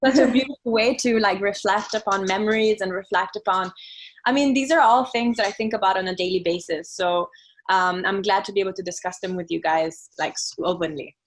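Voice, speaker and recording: A young woman who grew up in Italy talks with old friends about her childhood. She thinks aloud, full of fillers and small restarts, relaxed and open. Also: medium pitch, brisk. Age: young adult. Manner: reflective, chatty, lots of "like" and "um". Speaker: podcast guest. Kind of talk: casual conversation.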